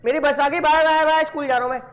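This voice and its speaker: Man doing a schoolboy voice, whiny, childish, high-pitched, talking to his mother. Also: fairly even intonation, fast, a bit bright. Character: schoolboy telling his mother about his day.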